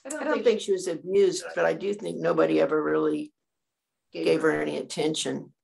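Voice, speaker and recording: Low gravelly-voiced woman chatting. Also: level tone, moderate pace, a little mellow. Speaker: class participant. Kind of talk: casual chat.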